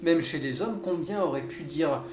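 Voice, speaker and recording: Higher-voiced man summing things up. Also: normal speed, reverberant, very noisy. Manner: paraphrases and sums up points conversationally. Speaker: podcast co-host. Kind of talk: casual explaining chat.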